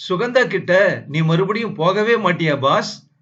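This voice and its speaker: A man voicing an affectionate, childlike young woman who pleads tenderly in a slow storybook reading. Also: sits high, animated, fairly bright tone, lo-fi sound, voice pushed up. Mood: tender, pleading. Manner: pleading, tender, calls him "boss".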